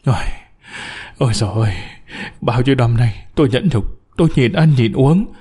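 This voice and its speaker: Bitter underling turned accuser, read by a man; mid-pitched, scornful. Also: expressive, moderate pace, a little mellow, natural voice. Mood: sobbing. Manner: mocking, accusing, wailing. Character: bitter downtrodden male underling, scornful, sobbing.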